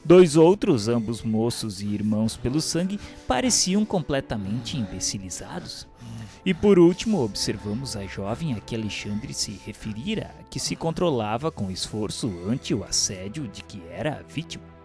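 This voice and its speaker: A man narrating a radio serial in scripted literary first person, with formal, measured delivery. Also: mid-range voice, very animated, dark tone. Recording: music bed behind the voice.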